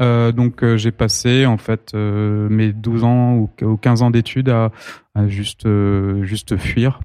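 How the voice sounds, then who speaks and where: Over a quiet background with a dry, close sound and no echo, a man speaks in a medium pitch with a dark, mellow tone and fairly even intonation. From Alsace, France. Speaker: illustrator. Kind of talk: live podcast interview. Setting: stage with audience.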